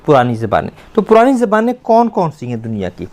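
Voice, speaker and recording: A man teaching a language lesson, explaining step by step, repeating words slowly and quizzing a student. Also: fairly high pitch, huge pitch swings, darkish tone.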